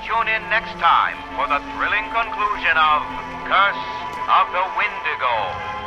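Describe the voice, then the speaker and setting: A man's voice: high voice, sing-song, a little slow, lo-fi sound, music in the background. A man playing a theatrical, suspenseful announcer of an old-time radio serial. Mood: portentous.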